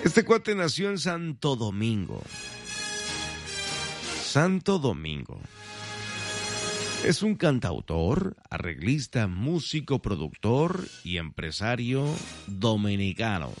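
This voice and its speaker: A man's voice: medium pitch, very animated, slow, long pauses, over music. A man hosting a morning radio trivia segment, chatty and playful, talking straight to listeners. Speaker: radio host.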